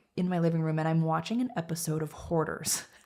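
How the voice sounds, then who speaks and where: In a very clean recording with a silent background, a woman with an American accent uses a normal speaking voice, fairly low in pitch with fairly even intonation. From Minnesota. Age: 30s. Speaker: hand-lettering artist and blogger. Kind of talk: casual interview chat.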